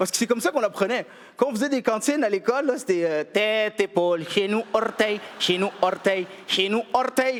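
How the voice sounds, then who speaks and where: Amid noticeable background noise, a man with a Quebec accent speaks at a high pitch with very even loudness. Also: ordinary pitch variation, moderate pace. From Quebec (immigrant child). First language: not French (speaking French). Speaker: comedian. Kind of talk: stand-up. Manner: animated.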